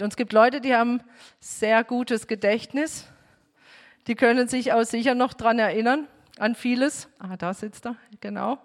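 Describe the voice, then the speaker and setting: A woman's voice: sits high, in a large hall. Earnest woman teaching a bible group. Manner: earnest, addresses listeners directly. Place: room with a home group.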